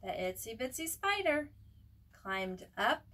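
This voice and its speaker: A woman reading a picture book aloud in an expressive, simple way for young children, as a preschool teacher would. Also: a little high, slow. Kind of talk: children's storybook read-aloud. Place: at home. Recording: home recording with faint background noise.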